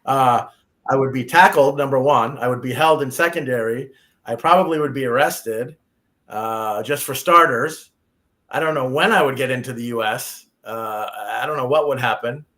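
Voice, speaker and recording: A man's voice: mid-range voice, normal speed, sharp tone. A man from the United States, an immigration attorney giving practical advice on a talk show, often restarting his sentences. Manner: practical, repeats himself when starting sentences.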